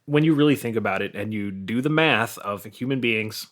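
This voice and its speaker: A man's voice: lowish voice, moderate pace, fairly bright tone. A man in casual podcast chat, talking in an emphatic, rambling way and mocking himself. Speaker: podcast speaker.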